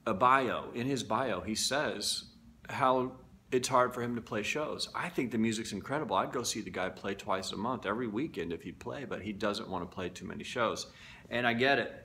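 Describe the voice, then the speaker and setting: A man's voice: lowish voice, normal speed, sharp tone, slight background noise. A man talking casually and candidly to his viewers, reflective and confessional. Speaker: vlogger. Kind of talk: casual talk to camera.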